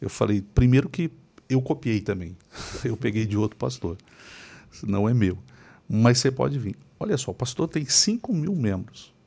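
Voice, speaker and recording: Gravelly pastor telling a story. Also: male voice, mid-range voice, normal speed. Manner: animated anecdote teller. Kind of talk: casual chat, storytelling.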